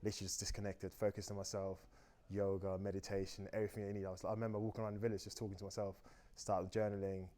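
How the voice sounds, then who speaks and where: A man's voice: fairly low pitch, level tone, very fast, warm tone. A young man from Austria, a native German speaker, chatting on a date in a talkative, reflective, rambling way. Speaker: dating show guest. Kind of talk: casual dating conversation.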